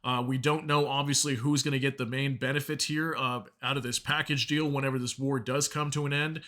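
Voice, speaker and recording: A man with a bright, forceful voice at a medium pitch hosts a news commentary. He explains reports informally and reads statements aloud, talking directly to his viewers. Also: flat delivery, a little fast. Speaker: news commentary channel host.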